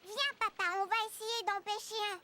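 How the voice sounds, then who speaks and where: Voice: extremely high pitch, fairly quick. An actor voicing an eager, curious four-year-old boy in a French children's cartoon dub. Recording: music under the voice.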